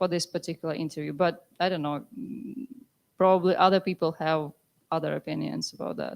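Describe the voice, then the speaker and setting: Talking at a fairly quick pace, a woman uses a fairly low pitch with vocal fry. Her pitch variation is ordinary. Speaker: audience member. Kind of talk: audience discussion. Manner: loud.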